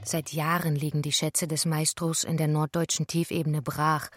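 An actress playing a composed female narrator in a radio play, reading florid scripted text in a measured, formal way. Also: low-pitched, level tone, lightly acted. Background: loud guitar music.

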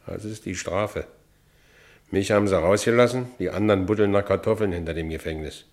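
An actor playing a bitter, self-pitying working-class ex-convict in a radio play, colloquial and with a Berlin accent. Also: male voice, sits low, brisk, darkish tone. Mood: stunned, despondent. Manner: colloquial, brooding. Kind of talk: first-person radio play narration.

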